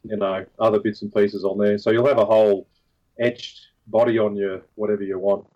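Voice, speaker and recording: A man hosting a podcast in a relaxed, casual way, laughing often. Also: fairly low pitch, a little fast, dull audio. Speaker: podcast host.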